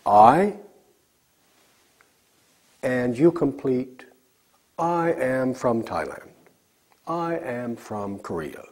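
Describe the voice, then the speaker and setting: A man teaching a recorded English lesson, slowly drilling example sentences for learners to repeat. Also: medium pitch, darkish tone, breathy edge.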